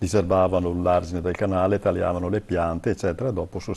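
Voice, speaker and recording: A man's very deep, low voice with a dark, mellow tone, at a very fast pace with fairly even intonation. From Veneto, Padua area. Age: 70s. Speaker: local flood-safety association member. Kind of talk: TV panel debate.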